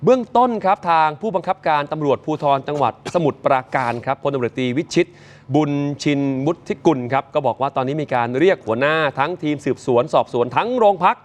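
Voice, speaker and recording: A man presenting morning news, retelling events in a lively, chatty way and addressing viewers directly. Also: on the high side, fast talker.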